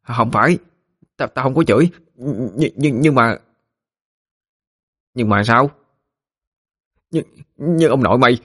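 A man's voice: a little high, fairly even intonation, quick pace, few pauses, slightly rough, no echo, clean studio sound, voice pushed up. A man voicing a stuttering, frightened village boy in an audio ghost story. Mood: stammering. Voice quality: stammering.

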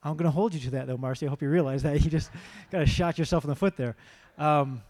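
Teasing pastor introducing a guest. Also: male voice, a little high, fast. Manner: teasing, warm-hearted, rambling. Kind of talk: church introduction.

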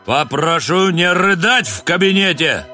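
A man voicing a bossy empty suit that sits at a desk and snaps at anyone who interrupts. The voice is high and bright and carries clear disdain. It sounds like a radio-drama role. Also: normal speed, soft background music. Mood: snapping. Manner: arrogant, snapping. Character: haughty irritable empty suit of a male boss.

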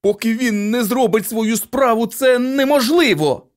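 A man's voice: very high voice, measured pace, voice pushed up. A man voicing an irritable father who dabbles in sorcery. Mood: panicked.

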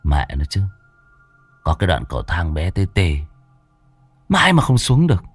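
A man's voice: low-pitched, wildly swooping pitch, moderate pace, breathy edge, no echo, faint music behind, voice pushed down, full character voice. A man voicing a frightened young drunk man who stammers and cries out for help. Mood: grumbling.

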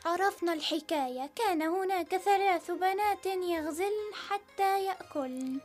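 A dreamy, eager little girl in a radio story, pleading and playful. Her voice sits very high and bright with youth, with soft music under it. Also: normal speed. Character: young daughters, eager, dreamy girls.

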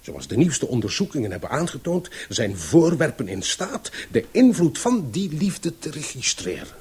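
An actor in a Dutch radio play voicing a pedantic, husky scientist who lectures didactically and emphatically. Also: male voice, on the high side, wildly swooping pitch, normal speed, darkish tone, heavily acted. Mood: earnest lecturing. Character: pedantic male scientist expounding absurd theories.

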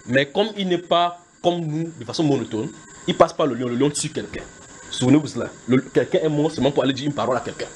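A man with a slightly high voice preaches a sermon in a church. He retells scripture as if it were a film, with lively, joking storytelling. Faint crickets are heard behind him. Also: quick pace, slight background noise.

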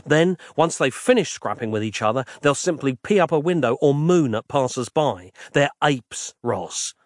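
A man voicing a gruff, bossy and sarcastic man who speaks in curt, growling lines. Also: mid-range voice, expressive, moderate pace, no room sound, clean studio sound, close to an everyday voice.

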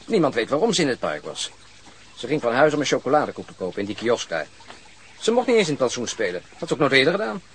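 A man's voice: medium pitch, wildly swooping pitch, quick pace, slight background noise. An actor in a Dutch radio drama playing a sober, grim male police detective who speaks in a terse, grave way.

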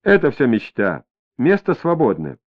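A man's voice: medium pitch, wildly swooping pitch. A man voicing a brash suspicious young woman. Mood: defiant, sharp. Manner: sharp, defiant, quick to snap. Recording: tinny lo-fi audiobook audio.

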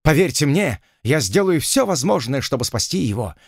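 A man's voice: on the high side, sing-song, moderate pace, vocal fry, no echo, clean studio sound, exaggerated voice. A man voicing a smug, lecherous aristocratic envoy who talks in a languid, self-satisfied and pompous way.

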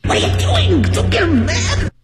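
An actor voicing a nervous, fussy little male goose in a squeezed, throaty high voice, from an animated film soundtrack. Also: measured pace, heavily acted. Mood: anxious. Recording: film audio with music, long reverb.

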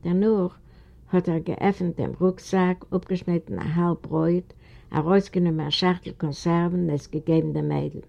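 A woman from Eastern Europe narrates a storybook in a low, gravelly voice. Her reading is steady and deliberate. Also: highs cut off. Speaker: audiobook reader.

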